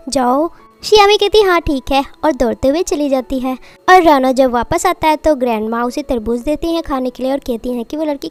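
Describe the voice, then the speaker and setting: High-voiced woman retelling a film. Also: darkish tone. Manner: retells dialogue in reported speech. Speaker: movie recap narrator. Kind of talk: casual storytelling recap.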